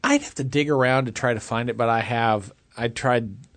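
A man talks at a moderate pace in an unremarkable speaking voice of medium pitch. The background is quiet. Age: 40s. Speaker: podcast co-host. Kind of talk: casual chat.

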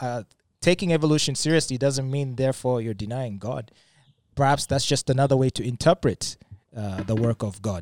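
A man with a plain, everyday voice at medium pitch, on a very clean recording with a silent background and a dry, close sound with no echo. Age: 40s. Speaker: radio broadcaster. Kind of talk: casual chat.

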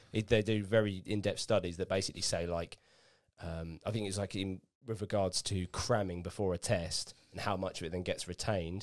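In a London accent, a man with a very deep, low pitch speaks at a moderate pace in a monotone, flat intonation. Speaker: taxi driver and YouTuber. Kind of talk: casual chat.

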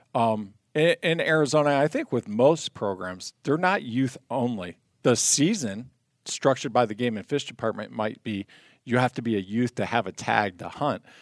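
A man with an American accent speaks in an ordinary speaking voice at medium pitch, with lively intonation and a moderate pace. The recording is very clean, with a silent background and a dry, close sound with no echo. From Michigan. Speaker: state wildlife agency staffer. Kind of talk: casual interview conversation.

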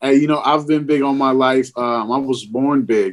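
A man with an unremarkable speaking voice talks at a moderate pace and medium pitch with ordinary pitch variation. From US West Coast, Richmond, California. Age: 30s. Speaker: comedian and podcaster, airport baggage handler. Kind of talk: casual interview chat.

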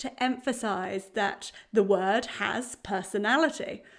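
A woman with a British accent, very cleanly recorded against a silent background. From Britain. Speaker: podcast host, brand messaging coach and copywriter. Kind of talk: solo podcast tutorial.

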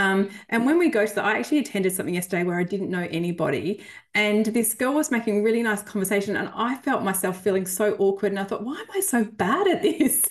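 A woman with an Australian accent talks at a very fast pace, her medium-pitched voice carrying lively intonation. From rural Western Australia. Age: middle-aged. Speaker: podcast host. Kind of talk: casual interview chat.

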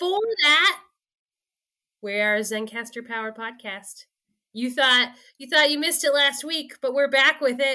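A woman's high, raised, projected voice with a bright, sharp tone, lively intonation, a fairly slow pace and long, frequent pauses. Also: big swings in loudness. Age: 30s. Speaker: true crime podcast co-host. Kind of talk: casual chat.

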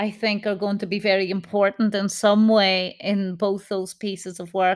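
In a Donegal accent, a woman of medium pitch talks with monotone, flat intonation. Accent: Donegal Irish. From Ireland, north Donegal (Inishowen). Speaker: theatre director. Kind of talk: casual interview chat.

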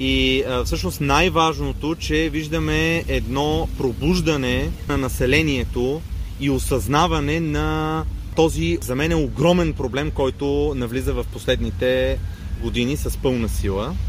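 A man at a very slow pace, with audible room echo. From Bulgaria, Sofia. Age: 30s. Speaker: political activist, small business owner. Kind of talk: casual interview. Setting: outdoors in a park.

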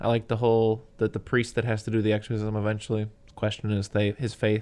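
Fairly quick speech from a man in an ordinary speaking voice, pitched medium. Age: 20s. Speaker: podcast host. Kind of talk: casual chat.

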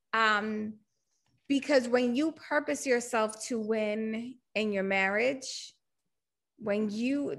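An ordinary speaking voice with an American accent against a quiet background. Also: woman. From New York City. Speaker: Marine Corps veteran and author. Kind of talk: interview.

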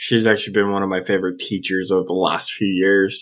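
A man with a fairly low pitch has an unremarkable speaking voice. He speaks at a fairly quick pace on a very clean recording with a silent background. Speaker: podcast co-host. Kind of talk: casual chat.

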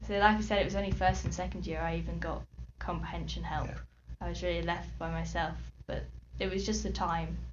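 Using a very deep, low pitch with vocal fry, a woman speaks at a very fast pace in a monotone, flat intonation. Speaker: university student.

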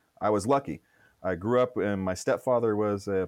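Speaking with an American accent, a man has an ordinary speaking voice, a fairly low pitch and ordinary pitch variation. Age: 50s. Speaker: political candidate. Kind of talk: interview.

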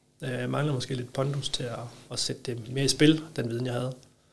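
Somewhat breathy and medium in pitch, a man's voice holds a monotone, flat intonation. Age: 40s. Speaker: football fitness coach. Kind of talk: interview. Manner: hesitant, many filler sounds.

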